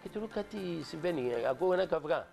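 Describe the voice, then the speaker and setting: A man's voice: on the high side, expressive, creaky, darkish tone, faint music behind. An older man with a Cypriot accent, a guest actor telling an indignant, emphatic story on a talk show and acting out the dialogue.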